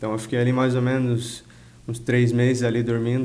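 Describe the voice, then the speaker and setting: In a room with audible echo, a man speaks at medium pitch and a moderate pace with flat, monotone intonation. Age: 20s. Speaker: barber and business owner. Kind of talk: podcast interview, casual chat. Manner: informal, frequent filler 'cara'.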